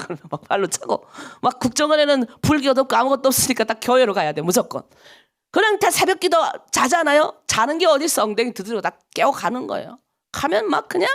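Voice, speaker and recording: A middle-aged woman pastor with a North Korean accent preaches at a dawn prayer service. Her voice sits high, and her pitch swings widely as she talks. She delivers the sermon in an animated way and acts out the voices of people in her stories. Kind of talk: early-morning prayer sermon.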